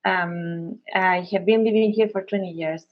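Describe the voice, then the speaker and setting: A woman's voice: lowish voice, steady tone, measured pace. Earnest woman from Ecuador, lo-fi. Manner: earnest, frequent restarts and fillers. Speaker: interviewee. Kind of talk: conversational interview. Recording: muffled, lo-fi recording.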